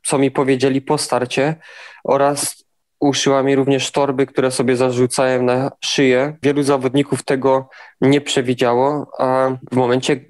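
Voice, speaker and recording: Flat-voiced young man, interview guest. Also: mid-range voice. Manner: even, steady delivery with restarts. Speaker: interviewed athlete. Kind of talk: casual interview answers.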